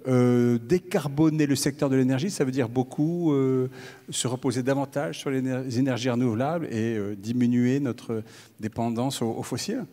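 A man moderating a conference panel, introducing guests and prompting them with measured questions. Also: mid-range voice, dark tone. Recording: reverberant conference hall.

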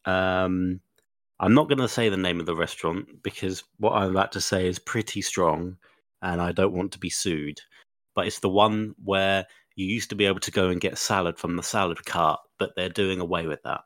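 A man's voice: deep voice, normal speed, a bit bright, no echo, clean studio sound. A man co-hosting a podcast, telling rambling stories full of fillers and sounding a bit sniffly. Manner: rambling, chatty storytelling with many fillers. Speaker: podcast co-host. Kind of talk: casual chat.

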